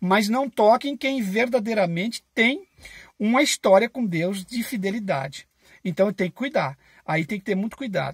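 Delivered at a moderate pace with lively intonation, the voice sounds dry with no echo over a quiet background. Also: man, high pitch for a man. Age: 40s. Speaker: former church elder and religious YouTuber; religious YouTuber. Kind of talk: religious testimony monologue to camera. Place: car. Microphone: phone near.

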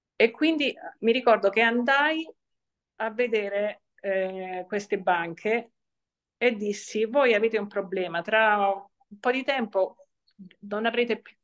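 Against a quiet background, a woman talks at a very slow pace with long, frequent pauses and ordinary pitch variation. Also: fairly high pitch for a woman. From Italy. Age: 60s. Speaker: economist; guest. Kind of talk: interview. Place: home room. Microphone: video call.

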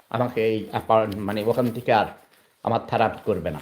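The man's voice sits at medium pitch. His pitch variation is ordinary. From Bangladesh, Chandpur. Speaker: political commentator. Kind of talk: political monologue. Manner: animated.

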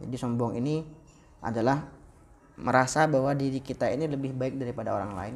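A man speaks with a normal speaking voice at medium pitch. His pace is fairly quick. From Madura, Indonesia (Bangkalan). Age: 20s. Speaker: Islamic cleric. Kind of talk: interview.

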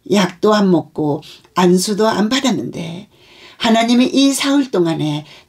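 A woman's somewhat breathy, medium-pitched voice at a very slow pace, with very wide pitch swings. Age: 80s+. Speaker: missionary. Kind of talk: religious testimony. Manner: energetic.

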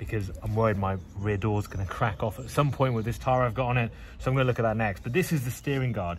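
Talking at a very fast pace, a somewhat breathy man uses ordinary pitch variation in a dry sound with no echo and light background noise. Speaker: car DIY vlogger. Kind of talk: tutorial. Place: garage. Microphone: phone near.

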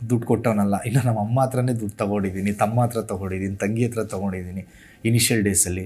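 A man speaks in a fairly low pitch with a dark, mellow tone. His voice is somewhat breathy, with fairly even intonation. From Bengaluru, India. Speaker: TV serial actor. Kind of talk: interview monologue. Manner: casual, conversational. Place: studio.

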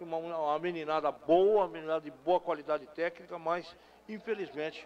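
A man speaks at a moderate pace with a fairly high pitch. His intonation stays fairly even. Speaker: football commentator. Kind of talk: live commentary. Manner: casual.

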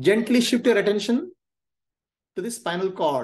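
At a moderate pace, a man talks. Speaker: meditation teacher. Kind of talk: guided meditation instruction. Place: home room. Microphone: video call.

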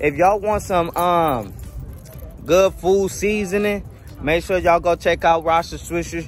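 Faint music plays in the background as a man with a high pitch and ordinary pitch variation talks at a fairly slow pace, the sound dry with no echo. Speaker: vlogger. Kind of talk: casual vlog chat. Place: street. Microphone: phone near.

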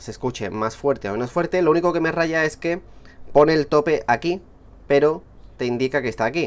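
Ordinary pitch variation marks a man talking at a fairly quick pace. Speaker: tech reviewer. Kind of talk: product review commentary. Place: home room.

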